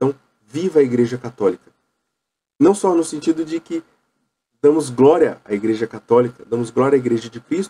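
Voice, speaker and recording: A man with a fairly high pitch and a dark, mellow tone sounds strained, his intonation lively and his pace fairly quick despite long, frequent pauses, all in a dry, close sound with no echo. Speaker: catechism teacher. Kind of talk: religious lecture. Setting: at home. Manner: subdued, restrained; soft-spoken.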